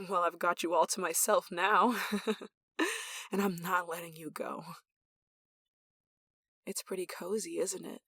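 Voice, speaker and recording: A woman playing an obsessive, possessive lover in an intimate ASMR roleplay, sweetly menacing and breathy. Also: fairly low pitch, steady tone, a little slow, pauses often, fairly bright tone, no echo. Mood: intimate, seductive. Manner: breathy sighs and chuckles, dropping to whispers.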